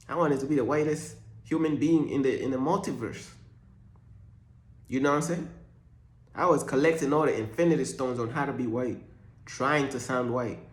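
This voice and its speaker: A man's voice: mid-range voice, reverberant. A young man from Uganda giving a joking, slangy faith vlog monologue as a Christian content creator.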